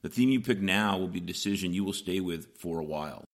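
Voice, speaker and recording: A middle-aged man hosts a solo podcast from a small home recording booth, his voice hoarse, raspy and low-set. He talks fast while explaining things plainly, one step at a time.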